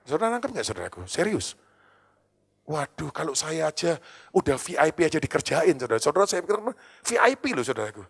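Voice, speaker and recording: A man pastor, preaching a sermon in a church and telling a story with animated swings between loud indignant bursts and quiet asides. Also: on the high side, a little fast, creaky, breathy edge.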